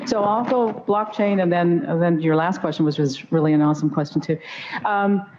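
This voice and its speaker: A middle-aged woman speaking off the cuff as a conference panelist, in halting but emphatic phrases, into a handheld mic. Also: lowish voice, lo-fi sound, noisy background. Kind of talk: unscripted panel discussion. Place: on stage in a conference hall. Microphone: handheld microphone.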